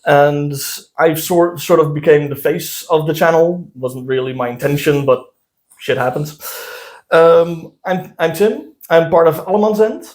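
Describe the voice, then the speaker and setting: A man from the southern Netherlands whose first language is Dutch, co-hosting a casual podcast chat in a room indoors, talking haltingly with many fillers and restarts. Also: fairly high pitch, a little mellow. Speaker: podcast co-host.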